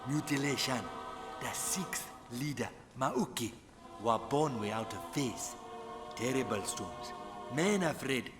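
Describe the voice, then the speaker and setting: Slow, ominous island tribal chief. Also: male voice, mid-range voice, expressive. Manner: broken English, ominous, deliberate. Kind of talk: video game cutscene acting. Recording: music under the voice.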